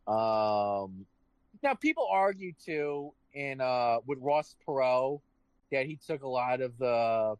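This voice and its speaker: Animated rambling man chatting casually. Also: mid-range voice, slow, clear, resonant tone, no room sound, dull audio. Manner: rambling, animated, swearing, with restarts. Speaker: podcast co-host. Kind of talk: casual chat.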